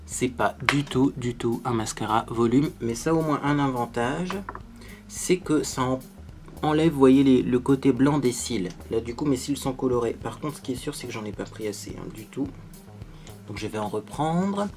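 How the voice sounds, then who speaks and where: A man's voice: mid-range voice, moderate pace, darkish tone, soft background music. Chatty man doing a makeup tutorial. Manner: chatty, self-mocking, tags sentences with "hein". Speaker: beauty vlogger.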